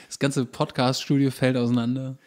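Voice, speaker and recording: A man co-hosting a podcast, bantering casually in a dry, halting way. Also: mid-range voice, flat delivery, darkish tone. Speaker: podcast co-host.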